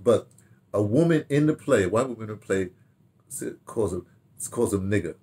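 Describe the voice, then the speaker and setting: An older man telling stories casually to camera in an animated, rambling way, repeating himself and trailing into asides. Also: lowish voice, moderate pace, husky. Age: older, 60s or 70s. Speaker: radio drama director reminiscing. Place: small home study, indoors.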